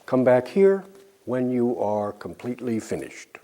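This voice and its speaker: A man teaching an English lesson, drilling example sentences slowly and clearly with pauses for learners to answer. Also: medium pitch, sing-song. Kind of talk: slow scripted language lesson.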